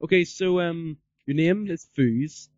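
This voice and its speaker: A man's voice: fairly high pitch, measured pace, no echo, muffled recording. A man doing a casual podcast interview in a rambling, repetitive way, peppered with filler words. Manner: rambling, repeats himself, peppers talk with "like".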